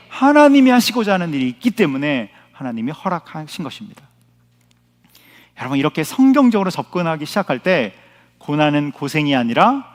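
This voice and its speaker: Male pastor, slightly high voice, emphatic sermon delivery with repeated phrases, long church reverb. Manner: emphatic preaching, repeating key phrases, asking the congregation questions. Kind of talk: sermon at a Friday prayer meeting. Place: church sanctuary.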